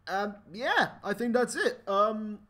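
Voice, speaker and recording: An amateur male voice actor speaks casually with very lively, swinging intonation. He sounds animated and a little exasperated, as if improvising a comedy skit. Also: high voice, takes it slowly.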